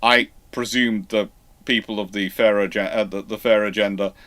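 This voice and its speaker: A man with a lowish voice hosts an unscripted question-and-answer session. He thinks aloud as he goes, halting mid-phrase and starting again before settling on his point. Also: steady tone, fairly bright tone. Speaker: host of naval history live Q&A. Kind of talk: off-the-cuff answers to audience questions.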